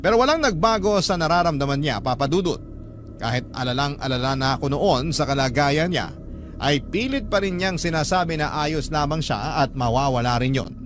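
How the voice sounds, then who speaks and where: A man's voice: on the high side, expressive, brisk. A man narrating a listener's story in a radio drama, earnest and polite. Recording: music bed under the voice.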